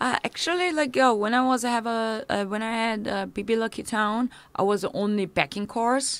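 A woman with a Korean accent at a fairly quick pace, with ordinary pitch variation, on a very clean recording with a silent background. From South Korea. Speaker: punk musician and tattoo artist. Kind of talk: casual interview.

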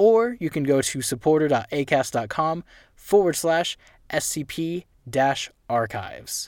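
In a very clean recording with a silent background, a man with a normal speaking voice talks at a fairly high pitch with lively intonation. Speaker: podcast host and showrunner. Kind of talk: casual interview chat. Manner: rambling, many filler words.

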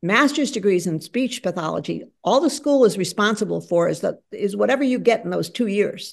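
A woman with vocal fry against a quiet background. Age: 80s+. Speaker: audiologist and retired clinician. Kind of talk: casual interview conversation.

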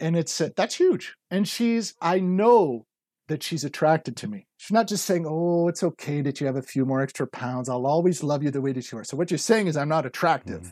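A man with a normal speaking voice talks at a fairly quick pace, with hardly any pauses and a fairly high pitch. His intonation is lively, and the sound is dry and close with no echo against a quiet background. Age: 40s. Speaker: fitness program member. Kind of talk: interview, personal story.

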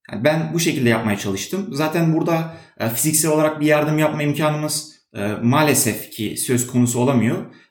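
Audible room echo around a male voice, fairly high in pitch, at a moderate pace. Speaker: graduate student and SAP consultant. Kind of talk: interview. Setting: remote call.

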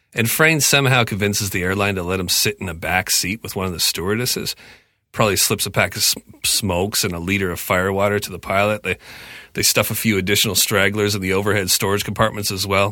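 A man's fairly low, bright and sharp voice, animated and very fast, on a very clean recording with a silent background. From Canada. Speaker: comedy podcast co-host. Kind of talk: casual comedic chat and storytelling. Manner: jokey, animated.

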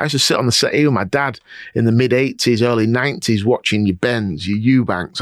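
This man has a Yorkshire accent and a medium pitch. He talks at a very fast pace. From Yorkshire, England (Driffield/Hull area). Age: 40s. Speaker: former footballer and boxer. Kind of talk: interview.

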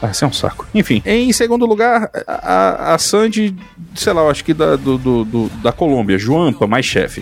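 A man speaks with very wide pitch swings. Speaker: podcast host. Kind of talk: casual comedic news chat. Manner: animated, laughing often.

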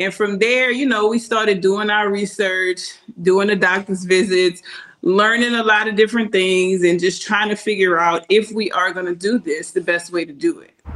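A woman with an American accent speaks at a moderate pace and a medium pitch with ordinary variation, her loudness swinging widely over noticeable background noise. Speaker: entrepreneur and reality TV personality. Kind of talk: casual interview.

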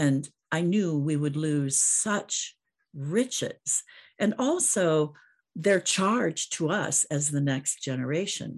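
Against a quiet background, a woman with an American accent speaks very slowly in a very deep, low pitch with lively intonation. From US Midwest. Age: 70s. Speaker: spiritual teacher and therapist.

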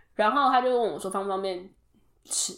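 A woman with a Taiwanese accent speaks very fast at a medium pitch, with ordinary pitch variation. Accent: Taiwanese Mandarin. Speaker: podcast host. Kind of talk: casual chat.

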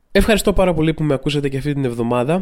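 This man's voice is fairly high. Its pitch shifts in an ordinary manner. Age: 30s. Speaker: podcast host and stand-up comedian. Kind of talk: casual comedic monologue. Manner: animated.

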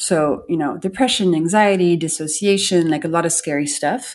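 Speaking with a French accent, a woman uses a fairly low pitch with ordinary pitch variation. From France. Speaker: biochemist. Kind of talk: casual chat. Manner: melodic.

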